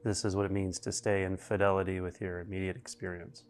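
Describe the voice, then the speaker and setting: A man guiding a meditation, speaking slowly and deliberately with long pauses between phrases. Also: deep voice, flat delivery, faint music behind. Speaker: meditation guide. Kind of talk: guided meditation narration.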